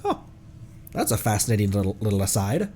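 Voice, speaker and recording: A man's voice: on the low side, big pitch swings, fairly quick, darkish tone, a little hiss or hum. A man livestreaming a game with casual, jokey commentary, reading bits of dialogue aloud. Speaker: streamer.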